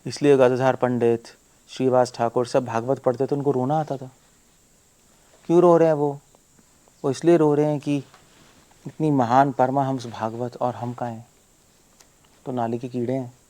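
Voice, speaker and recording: This is a man delivering a devotional lecture as a monk. His voice sits at an everyday middle pitch. He drives his points home emphatically, asks his listeners rhetorical questions and slips English words into his speech. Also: flat delivery, moderate pace, long pauses, dark tone.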